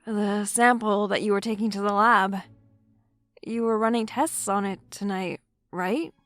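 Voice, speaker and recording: A woman's voice: mid-range voice, fairly even intonation, no room sound, soft background music, lightly acted. A woman playing a shy, anxious young woman with a hesitant manner in a naturalistic audio drama. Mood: sleepy, concerned. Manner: hesitant, halting.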